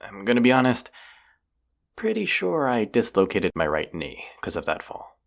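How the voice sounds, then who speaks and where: A man playing a cocky, self-deprecating young vampire hunter in a roleplay audio, with a gravelly, teasing, casually sarcastic delivery. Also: on the low side, wildly swooping pitch, moderate pace, full character voice. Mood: wry, strained.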